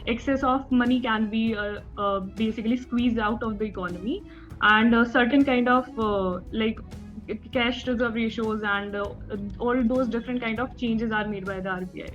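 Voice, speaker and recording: A woman's voice: a little high, normal speed, fairly bright tone. A young woman with an Indian accent answering as a candidate in a formal interview, nervous, hesitant and deferential. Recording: dull band-limited audio with background music.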